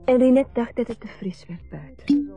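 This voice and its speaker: An actress playing a dry, weary, candid grown daughter in a radio play, speaking in an understated, wry way. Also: female voice, fairly high pitch, expressive, moderate pace, creaky, mellow, breathy edge, soft background music, full character voice. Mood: guarded. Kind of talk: naturalistic radio drama acting.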